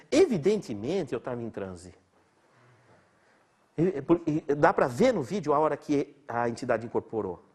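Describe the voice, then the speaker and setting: A man's voice: a little high, a little mellow, husky. A middle-aged man from Brazil giving a chatty, informal lecture, laughing often and asking his listeners rhetorical questions. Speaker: doctor lecturing.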